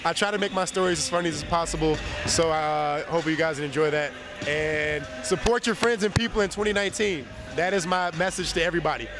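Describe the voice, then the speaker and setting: A man's voice: fairly high pitch, fast, music in the background. A young man speaking as an interview guest in an empty indoor arena, slightly nasal from a cold, easygoing and rambling into a handheld mic. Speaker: interview guest, basketball player. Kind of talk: casual interview chat.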